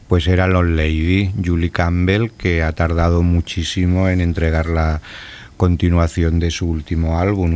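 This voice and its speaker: Very deep-voiced male radio host. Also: a little mellow. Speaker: radio music show host. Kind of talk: casual radio chat.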